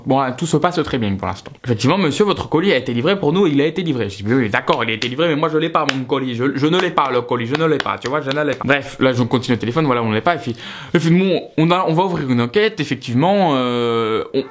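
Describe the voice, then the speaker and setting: A man telling a personal story to his viewers in a casual, animated way, with lots of ups and downs in his voice. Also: slight background noise. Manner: animated, swinging pitch, talks straight to viewers.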